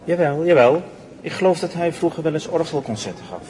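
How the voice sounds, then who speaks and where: An actor playing an amazed, admiring concertgoer, chatting in a radio play. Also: male voice, on the high side, lively intonation, brisk, darkish tone, lightly acted. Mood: puzzled. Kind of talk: Dutch radio drama acting, chatty. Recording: clearly noisy, with ambience.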